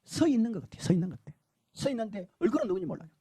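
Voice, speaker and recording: A male pastor giving an emotional testimony sermon, swinging between loud cries and hushed speech. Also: high-pitched, sing-song, racing, vocal fry, husky, no echo.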